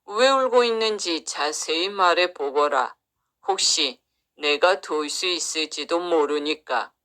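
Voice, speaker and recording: A woman voicing a gentle, wise black cow from heaven in a storybook, speaking in slow, old-fashioned commands. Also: fairly low pitch, voice pushed down. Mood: kindly.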